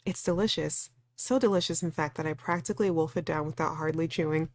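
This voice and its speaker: Girl reading wary stubborn visual novel hero telling their own story, dry, lowish voice. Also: quick pace, a little mellow. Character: stubborn, wry, wary young protagonist narrating their ordeal. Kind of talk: visual novel narration read aloud.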